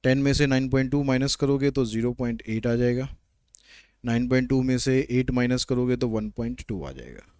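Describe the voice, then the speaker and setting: A male maths teacher walks his viewers through word problems one step at a time, chatty and a little teasing. His voice is smooth and crisp, at a middle pitch. It is recorded close up on a dry mic. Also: level tone, brisk, darkish tone, no room sound. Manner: explains step by step, code-switching English questions into explanation. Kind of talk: online maths lesson.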